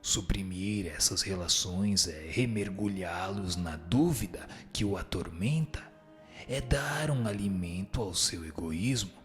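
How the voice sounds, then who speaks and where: Deep, slow, solemn spirit teacher, played by a man. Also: expressive, fairly bright tone, faint music behind. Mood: solemn, instructive. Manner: solemn, measured, didactic. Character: grave male spirit teacher, solemn and admonishing. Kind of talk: scripted audio drama reading of a spiritual text.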